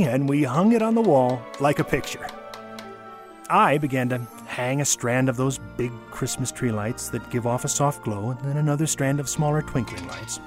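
A man reading a nostalgic memoir aloud as a storyteller, in a dramatic, measured way with deliberate pauses and emphasis. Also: on the high side, a little mellow.

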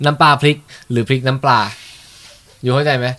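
A man's voice: medium pitch, fairly even intonation, fairly quick, a loud crowd. A man hosting a podcast, chatting casually and asking teasing, playful questions. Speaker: podcast host. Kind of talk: casual interview chat.

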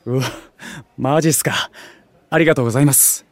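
An actor playing an excitable young otaku food streamer in an audio drama, talking in geeky slang with exaggerated reactions and junior-style politeness. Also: male voice, mid-range voice, fast, no room sound, natural voice. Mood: thrilled. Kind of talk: Japanese audio drama acting.

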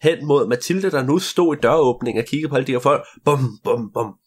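A man's voice: medium pitch, a little mellow. A young man taking turns in an improvised story, playful and adding sound effects.

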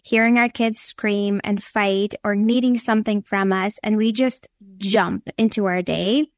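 A woman's voice: mid-range voice, fairly even intonation, unhurried, dry recording, clean studio sound. A young woman from Latvia with a Minnesota accent, a podcast guest giving earnest, encouraging advice on parenting. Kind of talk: conversational interview.

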